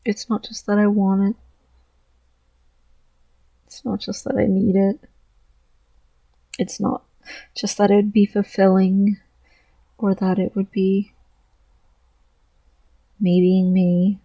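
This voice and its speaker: Gravelly low-voiced trans man, reflective. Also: level tone, warm tone, no room sound, low-quality recording. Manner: halting, reflective, earnest. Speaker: vlogger. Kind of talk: personal confessional vlog.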